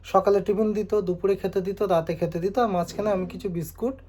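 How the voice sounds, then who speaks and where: A young man calmly explaining and reasoning with viewers in a casual vlog at home. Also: high-pitched, brisk, a little hiss or hum. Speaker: vlogger, husband. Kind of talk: casual vlog talk replying to comments. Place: home indoors.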